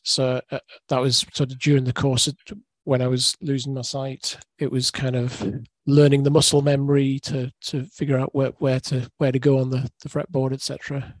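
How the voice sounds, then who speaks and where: Middle-aged guy, kinda monotone, stumbles and repeats words, dry sound. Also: mid-range voice, moderate pace, dry recording. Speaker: guest musician. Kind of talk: casual interview chat.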